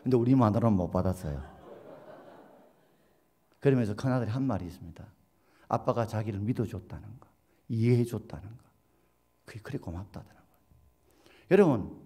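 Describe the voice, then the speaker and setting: A man, preaching a sermon as pastor and telling stories with big swings in his voice. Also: husky. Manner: animated storytelling, acts out quoted voices with big pitch leaps.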